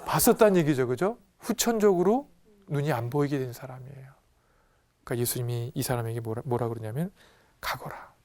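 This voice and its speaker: A man, a Catholic priest, giving a lively retreat talk, acting out Gospel dialogue in different voices and quizzing his audience. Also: medium pitch, a little fast, no room sound. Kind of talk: lively spiritual lecture to an audience.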